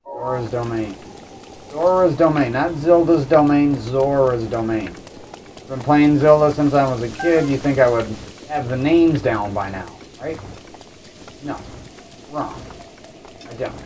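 A man's voice: medium pitch, a little slow, pauses often, darkish tone. Guy rambling to himself playing a video game, mic kinda far off, lots of background noise. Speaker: gaming host. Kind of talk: casual let's-play commentary.

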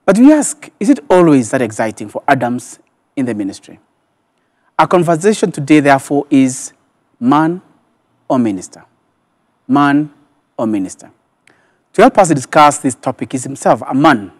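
A man's voice: mid-range voice, big pitch swings, moderate pace, pauses often. A man in his thirties with a Kenyan accent, hosting a television interview. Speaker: talk show host. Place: television studio. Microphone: lapel mic.

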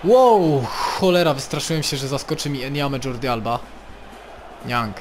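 A man giving play-by-play commentary on his own video game, turning excitable and shouting player names at big moments. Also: mid-range voice, moderate pace, background noise. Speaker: gaming channel host.

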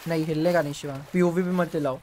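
A man streaming a horror game live, yelping, pleading and hushing as a monster comes near. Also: on the high side, fairly even intonation, fast talker, a little hiss or hum. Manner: jumpy, yelps and pleads with the monster, then hushes to a whisper. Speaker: gaming streamer. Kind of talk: live gameplay commentary.

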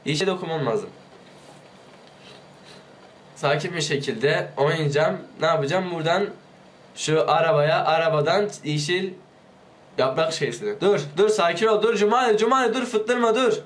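A man giving let's play commentary, excitable, pleading with and yelling at his game character while sick, his voice liable to give out. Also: high-pitched, moderate pace, pauses often. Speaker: gaming YouTuber.

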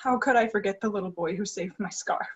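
A woman's voice: medium pitch, quick pace, husky, highs cut off, close to an everyday voice. A young woman acting an earnest, grieving young soprano devoted to her father in a dramatic play reading. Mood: wistful, sad. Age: young adult. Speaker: actress in a virtual staged reading. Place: indoor room, video call. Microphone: video call microphone.

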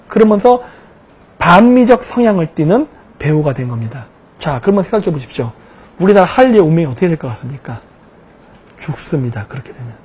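A man delivers lecture-style political commentary over slides, asking rhetorical questions and answering them himself with emphatic, drawn-out stresses. His voice sits high, warm and husky.

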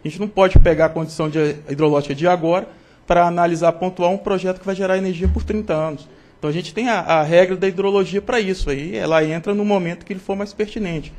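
Quick, methodical Brazilian man. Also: sits high, fairly even intonation, darkish tone. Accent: Brazilian Portuguese. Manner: explanatory, methodical, assertive. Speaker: regulatory board director. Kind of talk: deliberative meeting discussion.

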